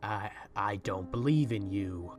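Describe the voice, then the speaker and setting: A man's voice: lowish voice, unhurried, soft background music, close to an everyday voice. A man playing an arrogant, skeptical young business tycoon in an audio drama, curt and dismissive. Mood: defiant disbelief. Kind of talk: fan audio drama acting.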